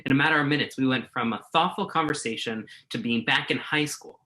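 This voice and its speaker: A man's voice: medium pitch, a little fast, pushed and bright, lightly acted, rough recording. A man acting the part of an earnest, wordy, self-doubting journalist in a staged play reading. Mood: regretful. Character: remorseful male entertainment journalist, self-doubting, argumentative, earnest.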